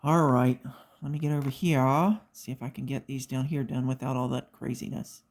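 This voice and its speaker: A woman's voice: rumbling low, moderate pace. A middle-aged woman hosting a craft video, chatting casually and telling stories while she works on a diamond painting. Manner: chatty, animated storytelling with quoted voices.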